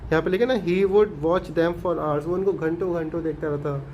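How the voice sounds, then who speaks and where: A male teacher explaining an English story in Hindi. He reads English lines slowly, asks and answers his own questions, and keeps checking in with 'okay'. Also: fairly high pitch, fairly even intonation, a little mellow, highs cut off, a little hiss or hum.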